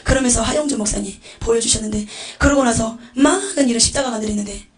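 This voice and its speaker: Woman, religious testimony, rapid delivery, gravelly fry, vivid storytelling, whispered asides. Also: a little high. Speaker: testimony speaker.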